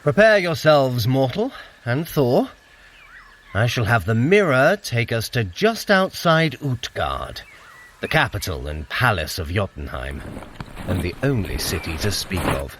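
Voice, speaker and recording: An actor playing a proud, sardonic, scheming trickster god in a scripted audio drama, with dry sarcasm and theatrical formal diction. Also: male voice, medium pitch, very animated, unhurried, a bit bright, breathy edge, heavily acted. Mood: brisk, commanding.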